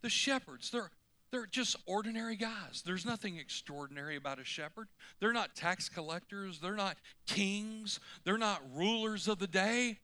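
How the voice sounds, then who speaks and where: A male pastor preaching a folksy, animated sermon, often climbing suddenly to loud emphasis. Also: high voice, normal speed, no echo.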